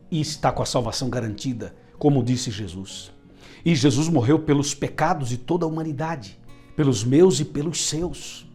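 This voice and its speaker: Homem pregando com música suave. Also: male voice, medium pitch, darkish tone. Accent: Brazilian Portuguese. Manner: emphatic, repeats phrases for effect. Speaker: preacher. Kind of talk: sermon.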